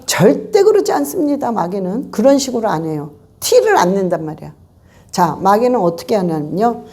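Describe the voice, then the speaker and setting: A woman's voice: mid-range voice, normal speed, breathy edge. A woman pastor preaching a sermon in church, telling stories and acting out the people in them. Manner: animated storytelling, acting out quoted people.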